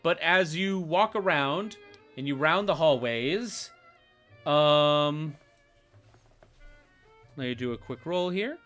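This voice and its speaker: A man's voice: fairly high pitch, animated, fairly bright tone, faint music behind. A man narrating as game master of a tabletop game, laid-back and full of "um"s. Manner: laid-back, with frequent "um" and quick chuckles.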